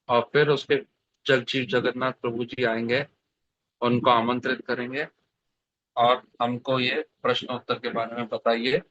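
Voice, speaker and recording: A gracious man hosts an online devotional session, thanking the speaker and announcing what comes next in a polite way. His pitch is an ordinary middle. The call audio is dry and a little dull. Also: a bit bright, no echo. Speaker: session host. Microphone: online video call.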